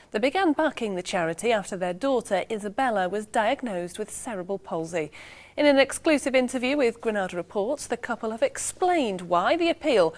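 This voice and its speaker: A woman presenting regional morning news in a steady, formal scripted reading. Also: medium pitch.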